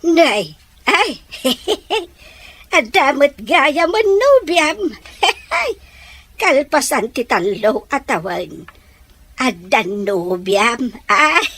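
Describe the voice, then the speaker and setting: A woman's voice: sits high, very animated, a bit bright, full character voice. A woman with a Filipino accent playing a welcoming, teasing old grandparent in a radio drama. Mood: teasing, amused. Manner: chuckling, exclaiming, slow.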